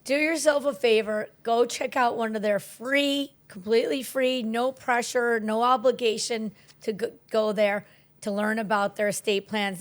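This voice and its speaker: A woman co-hosting a talk show, speaking in a casual, conversational style. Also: a little high. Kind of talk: casual ad read and chat.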